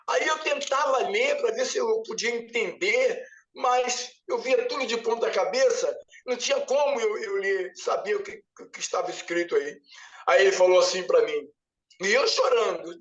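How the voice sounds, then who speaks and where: A man, a pastor, giving an emotional testimony in church, weeping and pleading as he retells a vision. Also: sits high. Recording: echoey room picked up from a distance, muffled.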